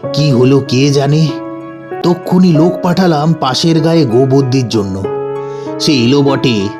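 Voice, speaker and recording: With music clearly underneath, a man plays an anxious village householder in a horror audio drama. He speaks slowly and deferentially, troubled and humble. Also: on the high side.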